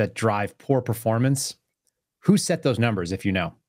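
At a moderate pace, a man with a medium pitch and lively intonation speaks in a plain, everyday voice. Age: 40s. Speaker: podcast host, former FBI agent. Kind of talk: interview. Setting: live stream.

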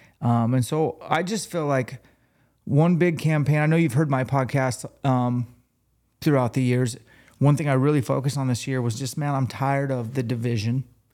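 This dark, mellow voice has an American accent and fairly even intonation. It moves at a moderate pace in a very clean recording with a silent background. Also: man, medium pitch for a man. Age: 40s. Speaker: podcaster, fitness coach, elk hunter. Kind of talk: casual chat.

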